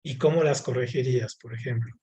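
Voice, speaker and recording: A man's voice: mid-range voice, fairly quick, dark tone, slightly rough. A man teaching a class, asking students questions and explaining patiently with many fillers. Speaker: Spanish teacher. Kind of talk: online class lesson.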